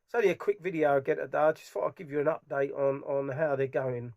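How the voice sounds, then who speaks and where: A man's voice: a little high, fairly even intonation, quick pace, a little mellow, no echo, muffled recording. Enthusiastic man, dry close sound. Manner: rambling, enthusiastic, many restarts. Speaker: audio hobbyist vlogger. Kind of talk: casual product impressions. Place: dark room at home.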